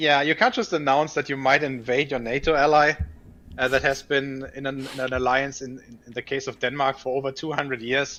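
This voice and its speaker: Speaking with a German accent, a man talks at a fairly quick pace with fairly even intonation. His pitch is fairly high and his loudness swings widely. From Germany. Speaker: chemist, political commentator. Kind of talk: casual debate discussion.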